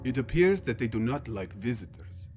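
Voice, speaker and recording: A man's voice: medium pitch, big pitch swings, moderate pace, darkish tone, natural voice. A man voicing a cautious, skeptical alien statesman in a sci-fi audio drama, formal and grave, with music behind. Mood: grave, cautioning.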